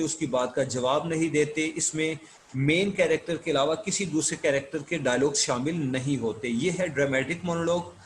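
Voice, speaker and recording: A man giving an online literature lecture, explaining notes step by step and reading English passages out slowly. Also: fairly high pitch, slight background noise, low-quality recording. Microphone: screen-share recording.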